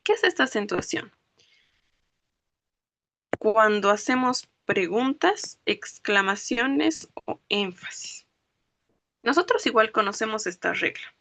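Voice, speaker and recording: Woman language teacher, bright tone, patient step-by-step explaining. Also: on the high side, animated, creaky. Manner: explains slowly, checks understanding with "¿ok?" and "¿no ve?". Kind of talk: classroom lecture.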